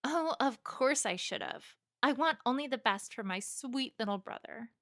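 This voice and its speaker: Fussy, doting older sister played by a woman, high bright voice, fan audio drama. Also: animated, normal speed, no room sound, studio quality. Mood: doting, pleased.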